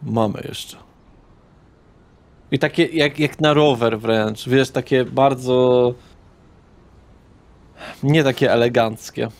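A man narrating a tabletop role-playing game as game master, halting as he searches for words. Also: mid-range voice, steady tone.

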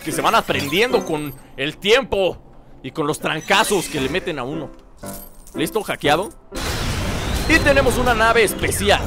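Animated young man joking over gameplay. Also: high voice. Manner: joking, animated, talks to the game. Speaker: gameplay commentator. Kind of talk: casual gameplay commentary. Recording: voice over loud game music.

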